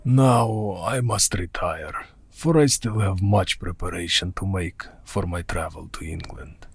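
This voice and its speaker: An actor playing Count Dracula, a sinister aristocratic male vampire, in a stage radio play, speaking slowly and menacingly. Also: sits low, vocal fry, breathy edge, full character voice. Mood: courtly. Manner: slow, menacing, theatrical. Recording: distant reverberant stage with music.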